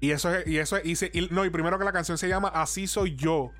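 A man's voice: on the high side, steady tone, quick pace, fairly bright tone, soft background music. A man hosting a casual chat, rambling and restarting his sentences, swearing casually.

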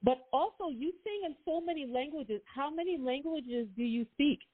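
A woman's voice: high-pitched, normal speed. A woman hosting an interview, speaking in a chatty, enthusiastic way. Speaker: host. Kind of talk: casual interview chat. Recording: tinny phone line.

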